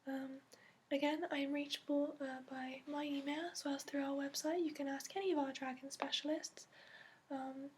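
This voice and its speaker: A woman voicing a patient dragon expert in an ASMR roleplay, soft-spoken and hesitant, with a put-on accent. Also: high voice, steady tone, normal speed, a little hiss or hum, close to an everyday voice. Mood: polite, helpful. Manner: hesitant, gentle, meandering explanations with frequent fillers. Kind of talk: ASMR roleplay, hushed and improvised.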